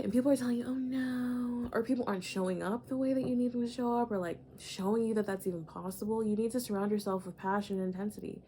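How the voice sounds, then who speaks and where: A woman's voice: medium pitch, warm tone, a little hiss or hum. A woman giving a casual, emphatic spiritual monologue, repeating phrases and saying "like" and "y'all" often. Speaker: astrology channeler.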